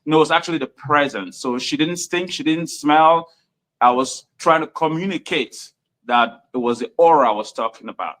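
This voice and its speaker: A man's voice: on the high side, moderate pace, a bit bright. A man from Cameroon with a Cameroonian accent, a guest in a casual chat who explains himself earnestly, point by point. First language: a language of Cameroon.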